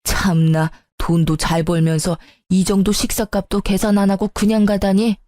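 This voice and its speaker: A woman's voice: medium pitch, flat delivery, normal speed, warm tone, dry recording, clean studio sound, natural voice. A woman voicing a bossy older mother-in-law in a story radio drama, haughty and scolding.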